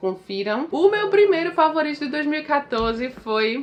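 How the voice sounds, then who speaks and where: Noticeable background noise sits beneath a woman whose intonation is lively. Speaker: book youtuber. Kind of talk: casual vlog chat. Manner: fast; calmer than before.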